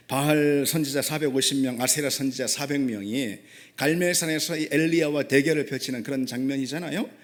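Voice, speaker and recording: A man preaching an emphatic sermon, asking rhetorical questions and dropping short affirming asides. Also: on the high side. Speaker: pastor.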